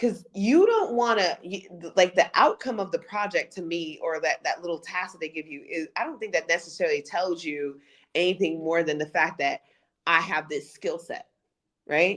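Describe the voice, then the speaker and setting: With a New York accent, a woman speaks at medium pitch, her loudness swinging widely. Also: ordinary pitch variation, moderate pace. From New York City, Brooklyn. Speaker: project manager. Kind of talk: casual chat.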